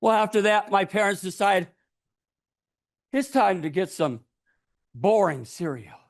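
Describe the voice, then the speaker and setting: Animated man telling a theatrical tall tale. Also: high voice. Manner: dramatic, deliberate delivery with acted-out voices. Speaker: club storyteller giving a speech.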